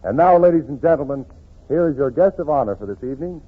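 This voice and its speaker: A man's voice: fairly high pitch, lively intonation, fast talker, slightly rough. A man hosting a 1930s radio show, feeding lines to a comedian with polished, scripted delivery. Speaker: radio host. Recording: tinny old radio broadcast.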